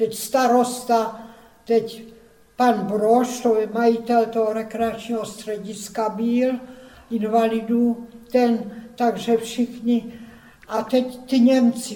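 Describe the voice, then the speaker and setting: Over noticeable background noise, a woman speaks at a very slow pace in a fairly high pitch with monotone, flat intonation. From Moravia, Czechia (Hodonín near Kunštát). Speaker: witness recounting wartime memories. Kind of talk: oral history testimony.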